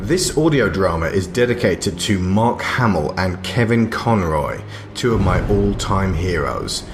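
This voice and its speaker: A man's voice: deep voice, expressive, measured pace, music in the background. A man, the producer of an audio drama, reading a scripted personal dedication.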